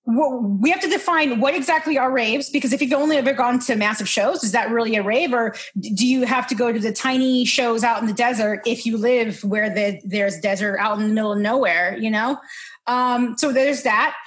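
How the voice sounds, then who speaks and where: A woman's voice: a little high, a little fast. Rambling giggly woman in her twenties. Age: 20s. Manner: rambling, self-interrupting, laughing. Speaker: podcast guest. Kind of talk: casual chat.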